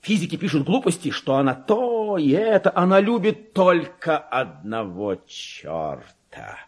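A husky, wildly swinging mad clerk. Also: male voice, big pitch swings, a little slow, full character voice. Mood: feverish, raving. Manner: grandiose, erratic, swinging from hushed confiding to shrill outbursts. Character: deluded mad petty clerk, secretly believing himself Spanish king. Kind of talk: theatrical dramatic monologue, radio play.

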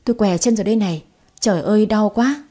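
A woman's voice: medium pitch, quick pace, dark tone, natural voice. Woman voicing a curious young rich man. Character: young wealthy male villa owner, curious and touchy.

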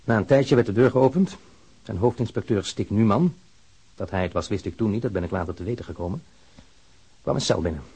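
An actor playing an aggrieved engineer, formally reading out his letter of complaint in a measured way for a radio drama. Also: on the low side, warm tone, breathy edge, poor audio.

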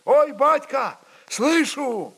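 A man voicing an eager, loyal peasant rebel who shouts back to his chief with rustic speech in a historical story. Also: very high-pitched, animated, extremely slow, vocal fry, voice pushed up, heavily acted. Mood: eager, harried.

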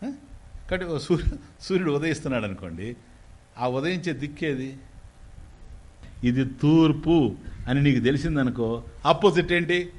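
A man giving a Vedanta discourse as a spiritual teacher. He asks his listeners questions and answers them himself, and he slowly chants Sanskrit phrases. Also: on the high side, lively intonation, a little mellow.

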